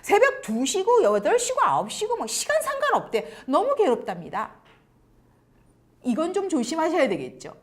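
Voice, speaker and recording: A woman with a high voice gives parents advice in a lecture. Her pitch leaps up and down all the time, and she acts out little scenes. Now and then her voice sinks almost to a whisper to stress a point. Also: moderate pace. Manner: animated, acts out quoted lines; drops to near-whispers for emphasis. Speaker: education commentator and host.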